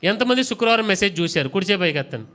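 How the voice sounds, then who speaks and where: Bright-voiced pastor preaching, questioning his congregation. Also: sits high, very animated, rapid-fire. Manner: preaching, firing questions at the congregation and urging them to answer aloud; mixes English phrases into his preaching. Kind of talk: sermon.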